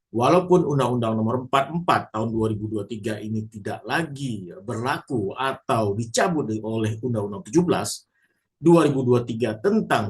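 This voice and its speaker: A man lecturing on legal rules to an audience, explaining step by step, often pausing on a filler and restarting phrases. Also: medium pitch. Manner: addresses audience formally. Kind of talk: spoken lecture.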